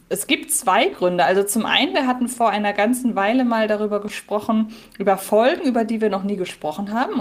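A woman in her thirties co-hosting a podcast in casual chat, chatty and quick to laugh, with frequent fillers. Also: mid-range voice. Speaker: podcast co-host.

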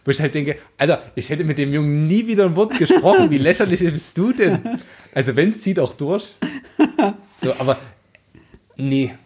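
A man's voice: fairly high pitch, animated, moderate pace, darkish tone. A young man, co-hosting a podcast and discussing a book casually in an emphatic, slangy, exasperated way. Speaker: podcast co-host. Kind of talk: casual opinionated book discussion with read-out quotes.

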